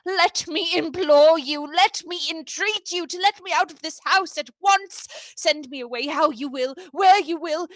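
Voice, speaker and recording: A high, dry-sounding voice of a desperate asylum patient in a radio play. The delivery is dramatic and imploring, with formal, old-fashioned courtesy. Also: female voice, measured pace, hardly any pauses, dry recording. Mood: desperate pleading. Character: lucid, desperate asylum patient pleading for release. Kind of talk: live radio play acting.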